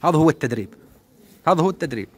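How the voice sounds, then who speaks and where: A man, giving a casual, animated running commentary while flying his pigeons outdoors. He repeats words and calls out to the birds. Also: on the high side, rapid-fire, breathy edge. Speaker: pigeon keeper vlogger.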